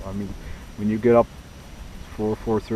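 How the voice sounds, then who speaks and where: A man talks at a moderate pace and a fairly low pitch, with a dry sound with no echo and light background noise. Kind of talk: interview answer. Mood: relaxed, reflective, some laughter. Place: open country.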